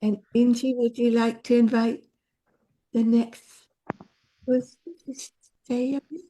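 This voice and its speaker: A woman on a video call calmly leading a group through a gentle sipping exercise. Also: fairly high pitch, low-quality recording. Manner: calm, soothing, slow instructions. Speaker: workshop facilitator.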